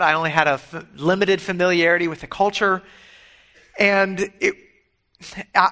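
A middle-aged male pastor delivers a sermon in a bright, slightly raised voice. He sounds earnest and emphatic as he works through scripture. He slips easily into personal stories along the way. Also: fairly high pitch.

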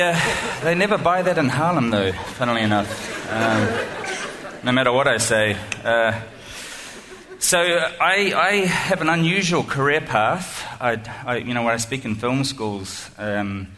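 Speaking slowly with lively intonation in a medium-pitched voice, a New Zealand-accented man delivers a funny keynote to a lecture hall audience, with crowd noise around him. As a guest speaker, he mocks himself, chats casually, and often says "um" and starts over.

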